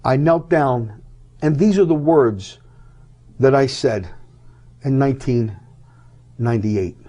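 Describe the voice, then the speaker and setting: Warm-voiced middle-aged man telling a dramatic story. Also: mid-range voice, slow pace. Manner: dramatic, acts out each person's lines in the retelling. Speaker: guest on a TV talk show. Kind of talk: emotional personal storytelling. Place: TV studio.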